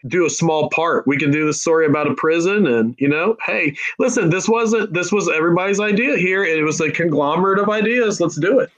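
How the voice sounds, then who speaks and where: A man's voice: on the high side, a bit bright, rough recording. A man chatting as a guest on a podcast, playful and jokey. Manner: playful, jokey, quick to laugh. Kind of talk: casual group chat.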